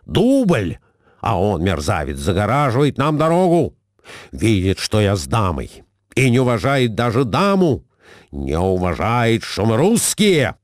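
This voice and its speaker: A man's voice: lowish voice, no room sound, studio quality. A man voicing a flustered middle-aged husband who swings from meek muttering to indignant bluster.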